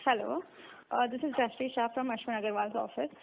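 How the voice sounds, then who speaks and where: A woman's voice: a little high, fairly even intonation, fast talker, creaky. An Indian woman calling in to ask questions on a conference call, polite and a little hesitant. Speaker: investor's office caller asking questions. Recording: noisy, narrow phone line with clicks.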